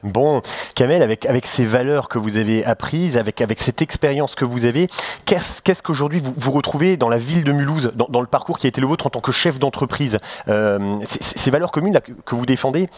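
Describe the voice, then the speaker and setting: A man's voice: medium pitch, brisk, a little mellow, dry recording. Guy hosting a studio interview, wordy with lots of repeats, dry close sound. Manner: wordy, repeats words, with many fillers. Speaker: host. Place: studio set with audience.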